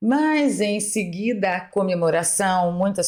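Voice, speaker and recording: A woman speaks with lively intonation. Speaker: political commentator. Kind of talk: political commentary monologue. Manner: animated.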